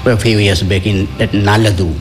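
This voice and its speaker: A man who works at an island resort, telling anecdotes in an interview in a relaxed way with small restarts. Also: lowish voice, normal speed, soft background music.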